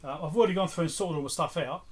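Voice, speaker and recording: The voice is a little high and racing: a middle-aged man hosting an electronics repair video, rambling casually through an unscripted show-and-tell. The recording has clear background noise with clicks.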